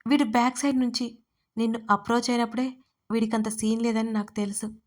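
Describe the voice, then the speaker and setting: A woman's voice: on the high side, level tone, brisk, close to an everyday voice. A woman voicing a young husband who talks coolly and reassuringly. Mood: calm. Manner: cool, reassuring. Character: calm, protective young husband.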